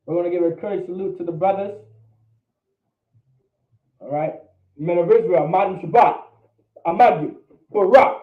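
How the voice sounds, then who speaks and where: High-voiced man teaching a class. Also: normal speed, pauses often. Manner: repeats "all right?" to check understanding, emphatic. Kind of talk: classroom lecture. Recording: echoey room, phone-like audio.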